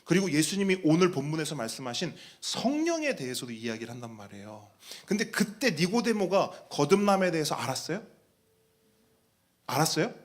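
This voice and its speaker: A man's voice: on the high side, sing-song, a little fast. A man, a pastor, preaching a sermon, asking the congregation questions and acting out the voices he quotes.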